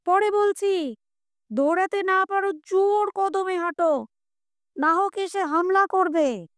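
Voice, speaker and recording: A woman reader plays a cocky grown son, boastful and quick to brush off worry. Pitched high above her narration, slow-spoken and dry. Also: no room sound. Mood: urgent.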